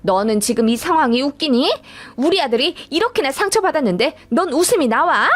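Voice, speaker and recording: A woman's voice: high voice, expressive, a little fast. Woman putting on a nagging older mother-in-law. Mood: angry. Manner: nagging, accusatory lecturing. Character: scolding older mother-in-law, spiteful and overbearing. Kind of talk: radio story acting.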